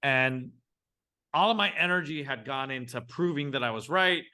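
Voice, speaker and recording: Bright-voiced man in his forties. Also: medium pitch, moderate pace, smooth. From Venezuela. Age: 40s. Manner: animated, frequent restarts, acts out his own thoughts. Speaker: guest entrepreneur. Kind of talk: casual interview storytelling.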